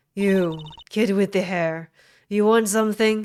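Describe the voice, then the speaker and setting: A husky woman's put-on character voice at medium pitch, delivered at a fairly slow pace. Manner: gruff, intimidating.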